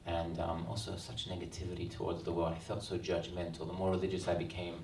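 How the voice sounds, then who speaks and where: An Australian man in his thirties, an author speaking earnestly at a book launch, with many ums and pauses. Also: low-pitched, monotone, vocal fry, a little mellow, slight background noise. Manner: earnest, reflective, frequent ums. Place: event hall. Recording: roomy hall sound, mic at a distance.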